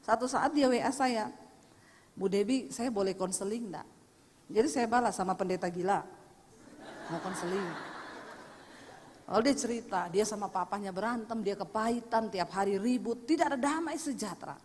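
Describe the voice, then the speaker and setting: A middle-aged woman pastor, preaching a sermon full of stories, blunt and humorous, who moves from quiet asides to loud emphatic preaching. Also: mid-range voice, moderate pace, pauses often. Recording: long hall reverb.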